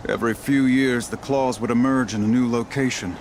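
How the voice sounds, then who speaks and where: An actor playing a weary, proud old tribal hunter in a video game, speaking in a solemn, measured, poetic way. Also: male voice, mid-range voice, fairly even intonation, noisy background, natural voice. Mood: grave, proud. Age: older. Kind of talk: dramatic video game dialogue.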